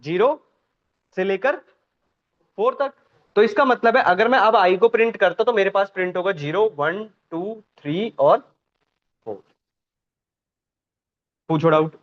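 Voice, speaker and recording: A man teaching a programming class, questioning students and repeating points slowly. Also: sits high. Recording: dull lo-fi sound.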